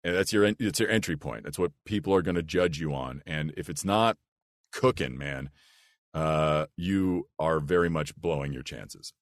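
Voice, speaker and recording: Guy with a big low rich voice, very deep, dry close sound, earnest chatty podcast guest. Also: moderate pace, dry recording. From United States. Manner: earnest and reflective, with restarts and "like". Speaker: voice actor guest. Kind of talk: casual podcast conversation.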